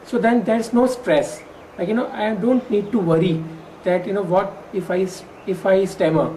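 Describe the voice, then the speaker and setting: A woman with an Indian English accent, a workshop participant who stammers, explaining in a measured way with occasional stammered restarts. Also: mid-range voice, steady tone, dark tone, a little hiss or hum, poor audio. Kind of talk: exit interview, explaining in earnest.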